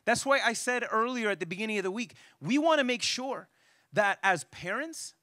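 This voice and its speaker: Bright-voiced man leading a parenting workshop. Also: sits high, lively intonation, measured pace, no room sound, studio quality. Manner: restates each point twice, switching back and forth; asks the audience questions. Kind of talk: church parenting workshop talk.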